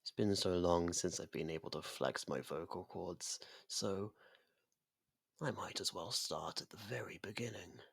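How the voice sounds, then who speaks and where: Man acting a slow, gravelly, seductive ancient vampire. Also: deep voice, no echo, studio quality, full character voice. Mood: dominant, savoring. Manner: slow, deliberate, theatrical, often dropping to a whisper. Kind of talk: ASMR roleplay monologue.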